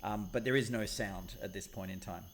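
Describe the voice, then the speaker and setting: A man narrating a tabletop game as game master, pausing often with ums and uhs. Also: fairly low pitch, a little hiss or hum. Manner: hesitant, many ums and uhs.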